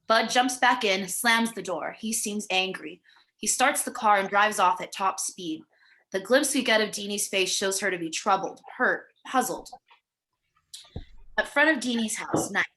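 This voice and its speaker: A woman's voice: mid-range voice, measured pace, bright, forceful tone, poor audio. A woman narrating a screenplay, reading out scene headings and stage directions for a table read. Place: remote virtual table read.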